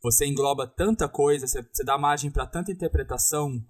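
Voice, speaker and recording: A man's voice: fairly high pitch, fast. A man who talks thoughtfully in discussion, often restarting his phrases. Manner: thoughtful, restarts often, agrees and builds on points. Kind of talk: conversational discussion.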